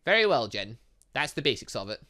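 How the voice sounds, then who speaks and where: A scientist father read out by a man explains patiently in a visual novel. The voice is bright and measured, like a lecture, with lively turns of pitch. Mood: explanatory. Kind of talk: reading visual novel dialogue aloud.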